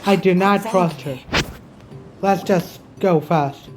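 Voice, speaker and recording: A woman's voice: on the low side, slow pace. A woman gamer giving casual, blunt reaction commentary while playing a video game. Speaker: gaming streamer reacting to play. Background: faint game music.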